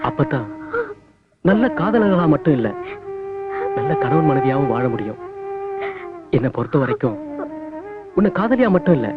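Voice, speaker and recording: An actor playing a playful young man and tender lover who talks in a coaxing, earnest way. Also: a little high. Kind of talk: Tamil film melodrama acting. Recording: tinny old film soundtrack with loud music.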